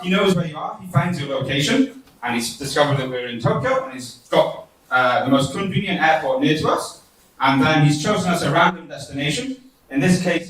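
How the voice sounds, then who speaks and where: A man from the UK, presenting his team's coding bootcamp app in a relaxed, chatty way. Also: fairly high pitch, slight background noise. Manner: relaxed, chatty, laughs at his own demo. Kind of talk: demo presentation. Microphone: distant from the mic. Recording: echoey hall audio from far off.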